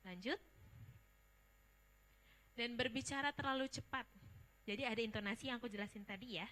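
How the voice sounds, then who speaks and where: A woman's voice: fairly high pitch, moderate pace, bright, forceful tone. A young woman giving a casual public speaking workshop, chatty and informal, asking the audience questions.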